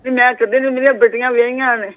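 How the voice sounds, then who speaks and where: An older woman with a Punjabi accent calls in to a show. Her high voice comes through a thin, phone-like line. She tells her story in a plain, rambling way. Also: steady tone. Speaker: caller.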